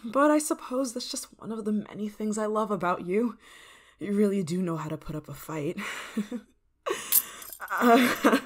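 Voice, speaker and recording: A woman voicing an obsessive, controlling neighbor in an ASMR roleplay, soft-spoken and slipping into whispers with a sweet, creeping menace. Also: medium pitch, animated, unhurried, pauses often. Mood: menacing.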